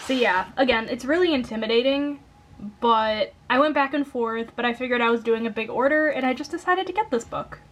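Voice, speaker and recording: A young woman with a Midwestern American accent talks to her desk camera in a light, slightly high voice. She chats along upbeat and unscripted, sprinkling in "um" and "like" as she goes. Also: fairly quick, fairly bright tone. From Wisconsin, United States. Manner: chatty and upbeat, lots of "um" and "like". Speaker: coloring YouTuber. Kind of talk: casual chat to camera.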